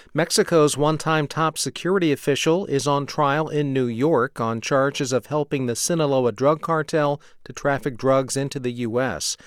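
A man's voice: medium pitch, dry recording, clean studio sound. A man working as a radio newscaster, reading scripted national and world news.

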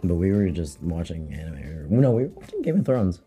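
A man's voice: low voice, very animated, brisk, dark tone, slightly rough, soft background music. A man chatting casually and informally as a podcast co-host. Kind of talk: casual chat.

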